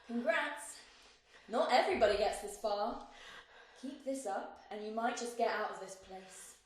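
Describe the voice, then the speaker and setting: A young woman acting a mysterious, menacing guide in a horror audio play, hushed, commanding and teasing with threats. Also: fairly high pitch, animated, measured pace. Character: mysterious menacing female guide in a hellish place. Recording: very echoey binaural recording.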